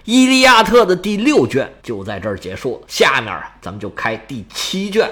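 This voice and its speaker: A man retelling an epic as a lively, colloquial story, dramatic and playful, slipping into character voices. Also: mid-range voice, moderate pace.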